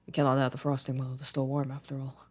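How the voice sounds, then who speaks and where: Gentle, reserved boyfriend, acted by a man, soft-spoken. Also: medium pitch, completely flat delivery, racing, breathy edge, close to an everyday voice. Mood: tender, teasing. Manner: formal careful wording, soft-spoken, few contractions. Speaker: audio roleplay voice actor. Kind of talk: intimate ASMR boyfriend roleplay.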